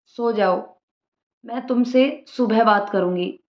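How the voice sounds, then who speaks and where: A woman voicing a lively young woman, an outspoken sister-in-law who jokes and bosses others around. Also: a little high, slow. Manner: bossy, joking, outspoken. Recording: roomy lo-fi room sound.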